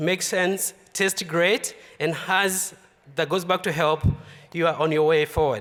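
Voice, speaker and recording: A man with a Kenyan accent, high in pitch with ordinary pitch variation, at a fairly quick pace. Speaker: beverage company founder. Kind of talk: pitch presentation.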